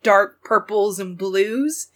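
A woman's voice: mid-range voice, slow pace, a bit bright. A woman taking part as a player in a tabletop game, upbeat and chatty. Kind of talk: casual introduction and in-character narration.

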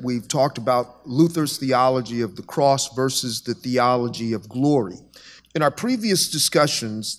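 Male pastor host, mid-pitched, jovial, steers the talk with questions. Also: a bit bright. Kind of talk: panel discussion. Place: church sanctuary with live audience.

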